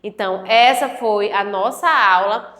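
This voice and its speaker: Slow, echoey woman teacher. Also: medium pitch, fairly bright tone. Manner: slow, clearly syllabled, encouraging questions to students. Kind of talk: slow classroom lesson for adult learners.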